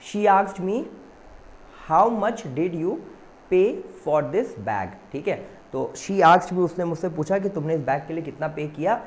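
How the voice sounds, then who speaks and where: A male teacher with a slightly high, animated voice works through an exam-prep question paper. He reads each English question slowly, then explains quickly in Hindi, calling his students "beta."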